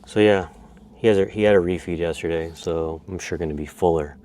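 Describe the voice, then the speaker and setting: A man with a very low voice talks casually to the camera about his athletes, relaxed and conversational, sometimes trailing off quietly. A faint hiss sits behind him. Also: a little fast. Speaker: bodybuilding coach and vlogger. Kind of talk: casual vlog talk.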